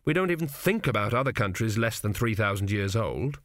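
A man voicing an older inner voice that speaks calmly and with pride. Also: lowish voice, fairly quick, no echo, studio quality. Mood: assured. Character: older inner voice, proud and calm.

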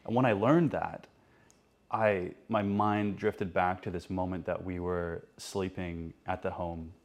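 A man telling a childhood ghost story in a laid-back, halting way, full of pauses and ums, as a podcast guest. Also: low voice, fairly even intonation. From Canada.

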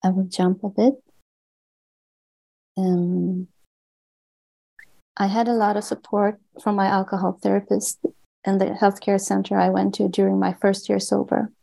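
A Swedish-accented woman reads aloud from her own book in a steady, earnest way. Her voice is gravelly and mellow, and she sometimes restarts a word before carrying on. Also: medium pitch, low-quality recording. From Sweden. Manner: earnest and measured, with small restarts on words. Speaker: author and guest.

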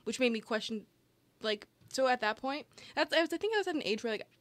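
A woman's voice: sits high, lively intonation, fast talker, a bit bright. A young woman co-hosting a podcast, chatting casually and telling stories with playful quoted voices. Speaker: podcast co-host. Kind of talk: casual chat.

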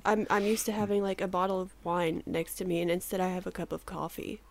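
A woman's voice: fairly low pitch, steady tone, fast. A woman in her thirties co-hosting a podcast in casual chat, laughing often and swearing freely, her voice a little sleepy. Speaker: podcast co-host.

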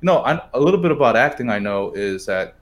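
A man's voice: mid-range voice, expressive, fast. A man co-hosting a podcast in casual chat, rambling and dropping lots of "you know"s. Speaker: podcast co-host.

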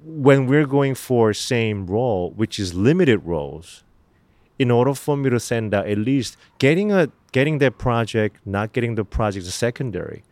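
A middle-aged man with a Korean accent, an actor answering interview questions in an earnest, halting way with many fillers and restarts. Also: mid-range voice, expressive, a little mellow, no room sound. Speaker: actor guest.

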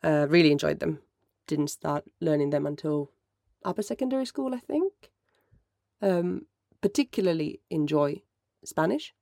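Thirties, gravelly, dry close sound, rambling solo chat. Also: medium pitch, moderate pace, no echo. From Finland. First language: Finnish. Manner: mellow, rambling, self-correcting. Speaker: podcast host. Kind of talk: casual solo chat answering listener questions.

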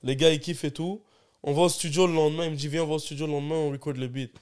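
A young man talks quickly on a podcast, telling laid-back stories full of slang. His voice sits a bit high for a man. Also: fairly even intonation, clean tone. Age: young adult. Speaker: guest rapper. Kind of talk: casual podcast chat.

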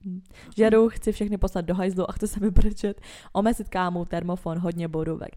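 A woman's voice: fairly low pitch, fairly even intonation, mellow. A young woman co-hosting a casual podcast chat, blunt and swearing, laughing often. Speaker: podcast co-host.

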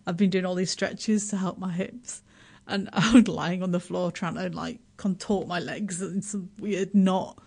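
A woman's voice: fairly low pitch, steady tone, gravelly, dark tone, breathy edge. A middle-aged woman from Yorkshire speaks with a Yorkshire accent. She talks as a guest on a radio show, laughing often and poking fun at herself. Her sentences start over and stumble along in a chatty way. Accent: Yorkshire English. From Yorkshire, England. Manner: self-deprecating, laughs often, halting restarts. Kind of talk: casual radio interview.

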